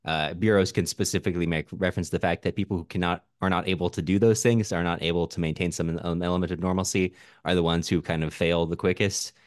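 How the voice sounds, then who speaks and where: A man co-hosting a podcast, discussing a book casually in a halting, informal way that often doubles back on itself. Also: deep voice, fairly even intonation, no room sound, clean studio sound. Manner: halting, self-interrupting, informal. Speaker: podcast co-host.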